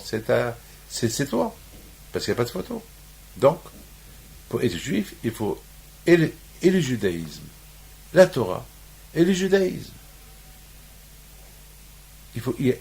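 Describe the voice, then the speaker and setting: A man's voice: medium pitch, gravelly, darkish tone. A man from Morocco giving a sermon on the weekly Torah portion, restating his points over and over and rising into emphatic peaks. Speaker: rabbi.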